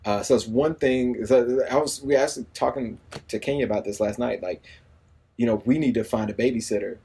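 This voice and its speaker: A man's voice: mid-range voice, a little fast, dark tone, breathy edge. A man in his forties talking casually in an interview, easygoing and rambling, often saying "you know what I mean.". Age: 40s. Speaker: radio personality and new father.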